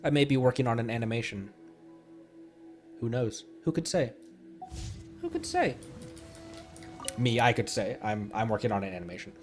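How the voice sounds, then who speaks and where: A man's voice: medium pitch, lively intonation, normal speed, long pauses, soft background music. A young man chatting on a gaming livestream, rambling and making puns while he laughs often. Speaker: streamer. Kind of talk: casual gaming livestream chat.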